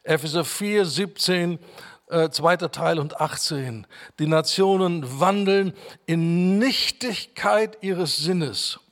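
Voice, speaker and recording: A man preaching a sermon, emphatic, repeating key words and reading scripture slowly. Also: fairly high pitch, fairly bright tone.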